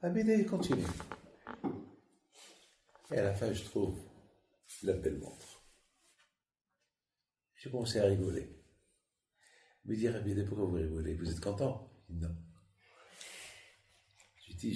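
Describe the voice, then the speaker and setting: A man, a rabbi, preaching a sermon and telling stories with lively acted-out dialogue. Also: fairly low pitch. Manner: lively storytelling, acts out dialogue. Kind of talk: sermon with anecdotes. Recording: echoey hall with faint noise.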